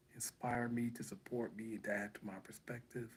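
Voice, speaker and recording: A man whispers in a somewhat breathy voice. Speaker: live streamer. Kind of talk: casual live stream chat. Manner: whispering; halting, repetitive.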